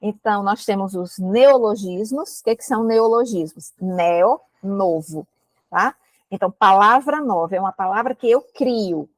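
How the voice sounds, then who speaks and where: A woman with a Brazilian Portuguese accent gives a literature lesson, explaining step by step and often pausing to check that students follow. Her voice sits at a middle pitch and sounds dry and close, with no room echo around it. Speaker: literature teacher. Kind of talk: recorded prep-course lecture. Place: indoor room with a window, rain outside.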